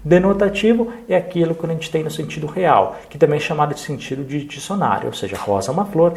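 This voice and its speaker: A man's voice: fairly high pitch, expressive, quick pace, a little mellow. Man giving a patient exam review lesson. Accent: Brazilian Portuguese. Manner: explanatory, checks in with frequent tag questions. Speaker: teacher.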